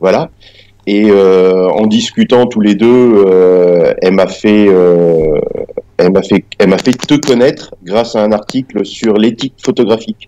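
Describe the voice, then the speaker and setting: Very slowly, a man speaks in a fairly low pitch with ordinary pitch variation and very even loudness. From France, Brittany. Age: 50s. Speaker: amateur wildlife photographer, course student. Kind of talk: interview. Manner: halting, many hesitations.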